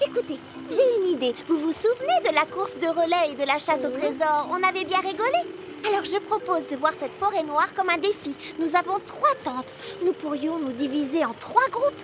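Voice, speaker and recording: Very high-voiced upbeat cartoon girl. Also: lively intonation, moderate pace. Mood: encouraging. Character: upbeat, reassuring young cartoon girl leader. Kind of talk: animated children's series dubbing.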